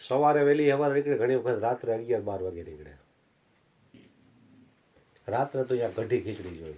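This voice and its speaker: A man's voice: mid-range voice, fairly quick, warm tone. A man telling folksy anecdotes in a satsang sermon. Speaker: preacher.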